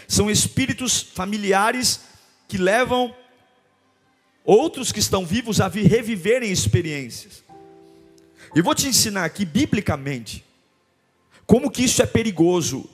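A man's voice: high voice, breathy edge. A man preaching a sermon in church with a Brazilian Portuguese accent, building his points through repeated, impassioned declarations. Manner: impassioned, repetitive rhetorical declarations. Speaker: pastor.

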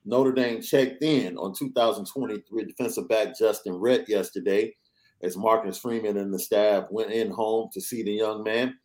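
A young adult man hosting a casual sports podcast, reading through news in an energetic, chatty way. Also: on the low side, moderate pace. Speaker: podcast host.

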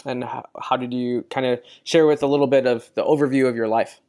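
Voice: mid-range voice, fairly even intonation, fairly quick, darkish tone. An interviewer asking numbered questions in an upbeat, encouraging manner.

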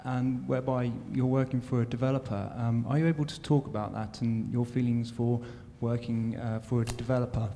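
A man's voice: mid-range voice, little pitch movement, fairly quick, hardly any pauses, mellow. A man in an audience politely thanking a lecturer and asking a formal question, with small fillers. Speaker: audience member. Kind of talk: question from the floor. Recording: reverberant hall with faint noise.

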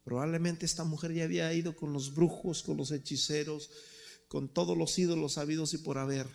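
A man's voice: fairly high pitch, fairly even intonation, brisk, vocal fry. A man preaching a sermon with impassioned storytelling, speaking directly to the congregation. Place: church. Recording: echoey church hall.

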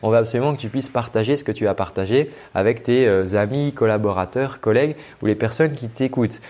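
A man working as a vocal coach, giving a spoken lesson with frequent hesitations and demonstrating flat and lively ways of speaking. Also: mid-range voice, quick pace.

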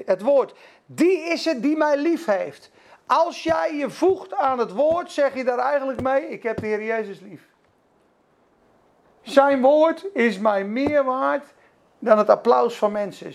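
A man's voice: very high voice, gravelly. A man preaching a sermon, fervent and emphatic, calling out to his listeners. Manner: fervent, emphatic, acts out dialogues.

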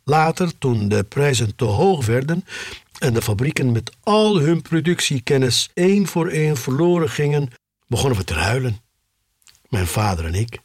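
A man's voice: medium pitch, expressive, normal speed, dry recording, studio quality, natural voice. A man acting as a nostalgic, obsessive black-market sneaker trader in a futuristic radio play, telling his story in a wry, confiding way. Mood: nostalgic, animated. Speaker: voice actor in an audio drama. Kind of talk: dramatic monologue in a radio play. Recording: loud music under the voice. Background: loud music.

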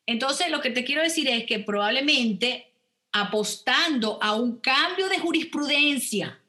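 This immigration lawyer on a radio call-in advice show is a woman with a high-pitched, expressive, bright and forceful voice, speaking a little slowly. She explains the rules and keeps stopping to confirm with "ok?".

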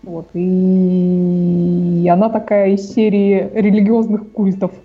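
A woman's voice: on the low side, monotone, slow pace, slightly rough, phone-quality sound. A woman co-hosting a podcast, giving her hesitant, casual opinions on TV shows. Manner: hesitant, many restarts and fillers. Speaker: podcast co-host. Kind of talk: casual TV review chat.

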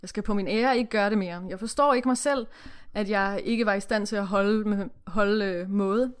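A man's voice: sits high, clear, resonant tone, natural voice. A woman voicing a wealthy young slave master, formal and polite, read from a book. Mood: moved.

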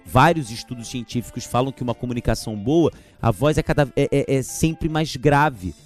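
A man hosting a podcast on teaching, lively and gesturing as he talks. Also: mid-range voice, normal speed, soft background music. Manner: animated, gesturing while speaking, mocking teachers' verbal tics. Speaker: podcast host and teacher trainer. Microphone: podcast microphone.

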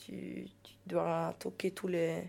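Woman speaking french, bit low voice, laughs a lot, looks for words sometimes. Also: takes it slowly, creaky. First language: Italian. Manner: lively, laughs often, searches for words. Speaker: staff member at a youth shelter. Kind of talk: casual radio interview.

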